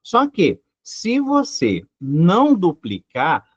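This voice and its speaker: A man's voice: sits high, huge pitch swings, slow, slightly rough, dry recording. A man teaching a live online grammar lesson. He talks emphatically, repeats his points and keeps asking rhetorical questions. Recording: dry, slightly dull recording.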